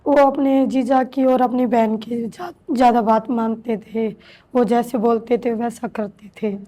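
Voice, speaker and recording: A woman in her thirties slowly recounting her own story with halting restarts, as an interviewee in a shelter home. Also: on the high side, steady tone, dark tone. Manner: halting, slow, hesitant with restarts. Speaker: interviewee, domestic violence survivor. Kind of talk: emotional personal testimony.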